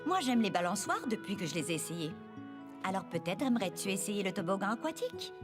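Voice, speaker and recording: A woman's voice: mid-range voice, sing-song, fairly quick, over music, close to an everyday voice. A woman voicing a kind, patient daycare teacher in a children's cartoon, encouraging and reassuring small children.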